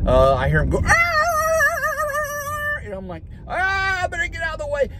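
Recorded dry with no echo, a man's voice comes through over noticeable background noise. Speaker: vlogger. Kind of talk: casual vlog chat. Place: car. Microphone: phone near.

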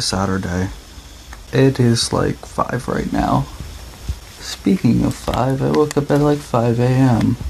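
There is noticeable background noise here. Over it, a man talks very slowly. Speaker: vlogger. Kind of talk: casual vlog chat. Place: home room. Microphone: headset.

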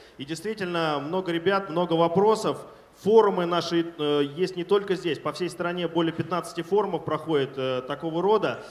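Pitched high, a man speaks with fairly even intonation. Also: moderate pace. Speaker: forum moderator. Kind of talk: event moderation. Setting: stage with audience. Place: hall. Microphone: handheld.

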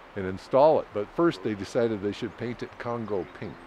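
A man with an American accent talks at a fairly quick pace, his pitch fairly low and his intonation lively. The sound is dry with no echo, over light background noise. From Michigan. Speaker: hunting camp leaseholder. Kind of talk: documentary interview. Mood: warm, nostalgic, amused. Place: forest.

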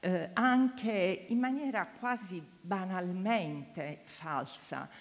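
Her intonation lively, a woman speaks at a very slow pace and a medium pitch. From Sardinia, Cagliari. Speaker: university lecturer. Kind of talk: panel answer to student question. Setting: hall with live audience. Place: hall. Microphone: handheld.

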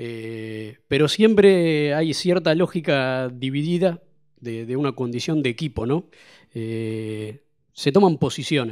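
Over a quiet background, a man speaks very slowly with lively intonation. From Argentina. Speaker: sports journalist. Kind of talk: panel talk. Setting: auditorium with audience. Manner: hesitant, frequent fillers. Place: hall. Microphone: handheld.

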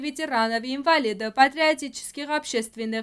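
A woman talks at a moderate pace, her pitch varying in an ordinary way, with the background kept quiet. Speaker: news anchor. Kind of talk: news reading. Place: studio.

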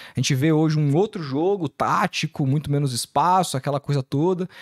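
Man's voice, fairly high in pitch, with ordinary pitch variation at a moderate pace against a quiet background. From Brazil. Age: 30s. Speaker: football podcast host. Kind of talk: casual interview chat. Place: studio. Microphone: studio mic.

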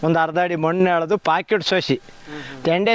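A man's fairly even intonation in a dry, close sound with no echo. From Chitradurga district, Karnataka (Challakere taluk). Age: 60s. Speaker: farmer. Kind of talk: casual interview on farm tour. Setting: outdoors in areca plantation.

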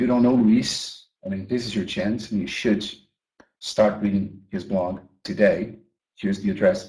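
Speaking with a Brazilian accent, a man uses a dark, mellow, somewhat breathy tone at a fairly low pitch with ordinary pitch variation. His pace is moderate, and the background is quiet. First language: Portuguese. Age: 30s. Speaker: English teacher trainer. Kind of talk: webinar presentation. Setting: online live webinar. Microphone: webcam.

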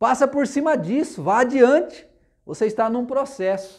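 The man's pitch is extremely high, with ordinary variation. He speaks at a fairly slow pace against a quiet background. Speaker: devotional video preacher. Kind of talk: motivational devotional pep talk ending in prayer. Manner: earnest, encouraging, urgent; direct, repeating commands in a rousing rhythm. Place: home room. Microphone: lapel.

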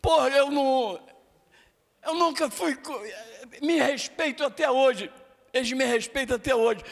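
Over a quiet background, a man talks at a fairly slow pace with an extremely high pitch and ordinary pitch variation. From Rio de Janeiro, Brazil (Pavuna); Rio de Janeiro, Brazil. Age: 70s. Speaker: former military police officer, truck driver. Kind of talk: emotional public testimony at hearing. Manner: halting, stammering; emotional, pleading. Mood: aggrieved, emotional. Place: hall. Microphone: handheld.

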